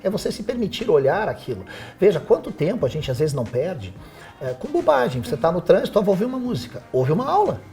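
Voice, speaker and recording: Man, animated pitch, slightly high, advising, rhetorical questions. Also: fast talker, faint music behind. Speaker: guest teacher. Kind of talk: casual podcast conversation.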